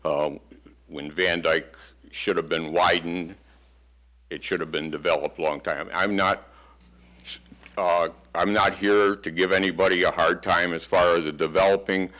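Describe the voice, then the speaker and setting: Deep, big-voiced male resident at a hearing podium; plain, halting delivery. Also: steady tone, fairly bright tone. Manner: halting, plainspoken, many fillers. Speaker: resident speaking at public hearing. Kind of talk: public comment at a meeting. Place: township meeting hall. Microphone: podium microphone.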